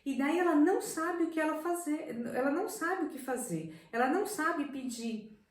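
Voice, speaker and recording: Animated teacher woman, echoey room. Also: sits high, normal speed, recorded from a distance. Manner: animated storytelling, addresses viewers as "gente". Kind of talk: educational video talk.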